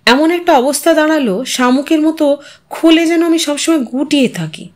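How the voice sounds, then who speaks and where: A woman's voice: sits high, moderate pace, voice pushed up, lightly acted. A woman reading a story, voicing a resigned, confiding elderly widow who muses wistfully. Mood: weary, confiding. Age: older. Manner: wistful, confiding, musing to herself. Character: Bithi, weary resigned elderly widow in old age home.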